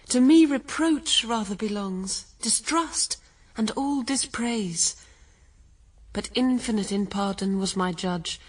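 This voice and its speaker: A woman's voice: mid-range voice, husky, recorded from a distance, rough recording. An actress playing the first woman, a humble, penitent and devoted wife, speaking solemn verse in a radio drama.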